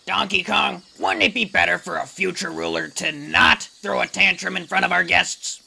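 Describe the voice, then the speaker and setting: An actor playing a crotchety old male ape in an audio drama, a stern mentor who lectures and dismisses, with a gravelly voice. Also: high-pitched, steady tone, moderate pace, pushed and bright, exaggerated voice. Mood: stern, scolding. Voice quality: creaky, gravelly.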